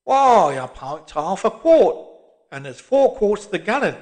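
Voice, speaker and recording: Man doing loud, slow, gruff old geezer, cantankerous. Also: high voice, big pitch swings, pitched above the performer's own voice. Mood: grumbling. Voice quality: gruff, pugnacious. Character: grumbling old working-class London man. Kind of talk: audiobook character voice.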